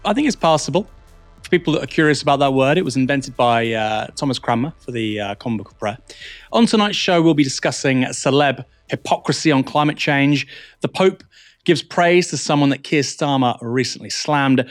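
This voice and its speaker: A man's voice: mid-range voice, expressive, a little fast, dry recording, faint music behind. A male news host delivers scripted presentation in a mid-range voice. The sound is very dry, with no room around it.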